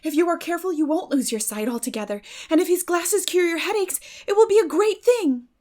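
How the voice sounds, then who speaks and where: Lady as earnest teen girl, higher pitched, emotional n pleading, audiobook drama. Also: brisk, a little mellow. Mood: brave, tearful. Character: earnest teenage girl, anxious, tender, resolute.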